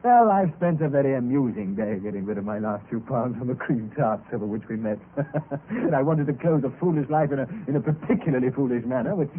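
Man doing a quick-talking, world-weary young toff on a tinny old radio broadcast. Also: mid-range voice, expressive, slight background noise, lightly acted. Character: reckless ruined young gentleman, jaunty and world-weary. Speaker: actor in radio drama. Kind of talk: 1940s radio acting.

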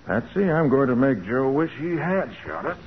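An actor playing a confident, quick-witted private detective in a 1940s radio crime drama, brisk and decisive. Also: male voice, medium pitch, big pitch swings. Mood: determined. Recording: muffled noisy 1940s radio recording.

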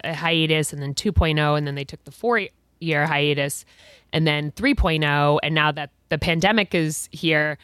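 A woman's voice: sits low, moderate pace, fairly bright tone, clean tone, no echo. A woman hosting an interview, chatting casually with many fillers and frequent laughs. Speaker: podcast host.

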